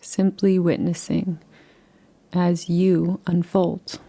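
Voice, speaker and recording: Meditation guide, woman: low-pitched voice with vocal fry, soft and unhurried, gently inviting. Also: flat delivery. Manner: soft, unhurried and soothing, with long pauses; gently invites rather than instructs. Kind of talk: guided relaxation.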